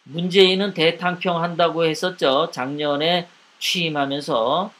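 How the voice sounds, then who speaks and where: A man with a high-pitched voice delivers live political commentary as host. He speaks in an indignant tone, hammering his points with repeated rhetorical questions. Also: steady tone, measured pace, fairly bright tone.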